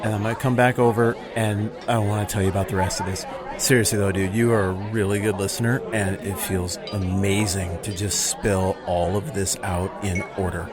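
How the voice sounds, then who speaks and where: A man's voice: low voice, level tone, normal speed, over loud music, over a noisy crowd, pitched below the performer's own voice, lightly acted. A man playing a self-righteous Pharisee who rants defensively and sarcastically about being wronged. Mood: sheepish. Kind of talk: comic monologue in character.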